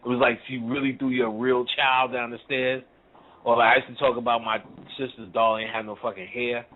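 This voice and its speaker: Man, spiritual teacher, blunt and profane, street slang, phone-quality audio. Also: medium pitch. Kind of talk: casual profane lecture.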